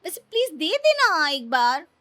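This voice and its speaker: A woman's voice: very animated, a little slow, pushed and bright, no room sound, full character voice. A woman voicing a pushy, sulky young wife in a Hindi cartoon, pleading and huffy by turns. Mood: demanding. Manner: pleading then huffy, high-strung.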